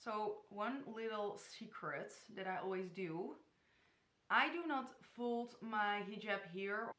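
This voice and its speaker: A woman's voice: medium pitch, takes it slowly, fairly bright tone. A young woman from the Netherlands, chatty and giggly, showing hijab styles to camera in her bedroom. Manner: chatty, giggly, stumbles over place names. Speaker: hijab tutorial vlogger. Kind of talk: casual tutorial talk to camera. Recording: echoey bedroom.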